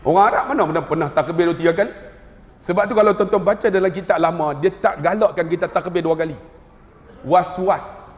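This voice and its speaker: A man with a Malaysian Malay accent giving a humorous mosque lecture, telling stories, mimicking voices and slowly reciting Arabic prayers. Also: sits high. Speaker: preacher. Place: mosque hall. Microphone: wireless mic. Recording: roomy mosque hall with long reverb.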